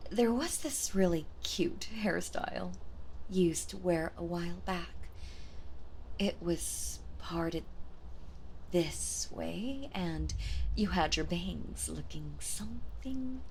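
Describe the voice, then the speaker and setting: A woman voicing a gentle, doting villainess in an ASMR role-play, soft-spoken and soothing, often slipping into a soft voice. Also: fairly low pitch, animated, slow, slight background noise, low-quality recording. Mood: gentle, curious.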